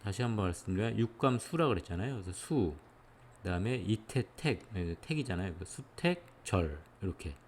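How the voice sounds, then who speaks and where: Male lecturer, lowish voice, calm and methodical, walks through each point with small affirmations. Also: a little fast, a little hiss or hum. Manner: patient, step-by-step explaining with frequent "예" check-ins. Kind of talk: explanatory lecture.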